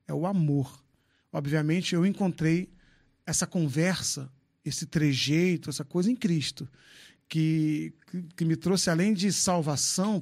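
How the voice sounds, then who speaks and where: High-voiced man in frank casual talk. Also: vocal fry, darkish tone. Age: 50s. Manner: loose, joking, swears freely, frank testimony. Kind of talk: casual podcast chat.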